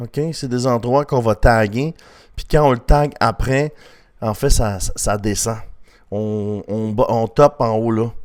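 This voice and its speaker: Very slowly, a man speaks with a Quebec accent at a medium pitch with ordinary pitch variation. The recording is very clean, the background silent. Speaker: crypto trading YouTuber. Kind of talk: chart analysis tutorial.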